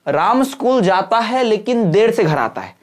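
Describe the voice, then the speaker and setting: Male tutor, exam-prep lecture; patient, repeats checks for understanding, reads English lines slowly. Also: high voice, big pitch swings. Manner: explains patiently, keeps checking in with students; mixes Hindi with slowly read English sentences. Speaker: teacher.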